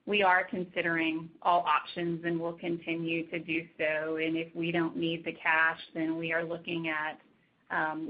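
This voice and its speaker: A woman executive answering questions on an earnings call in a measured, matter-of-fact manner. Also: low-pitched, a little hiss or hum. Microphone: conference call. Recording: dull, lo-fi conference call line.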